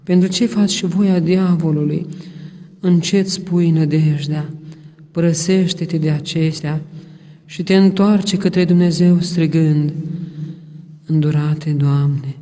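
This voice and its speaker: A man reading Orthodox prayers in a slow, measured, solemn intoning manner. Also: on the high side, steady tone, warm tone. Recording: long hall reverb.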